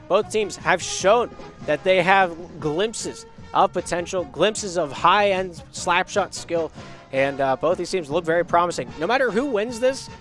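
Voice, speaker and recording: A young man calls a live esports match in a slightly high voice, hoarse from a week of illness. His commentary is quick and lively, with energy that climbs on shots and goals. Faint music plays behind him. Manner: energetic, rising on shots and goals, chatty asides to chat.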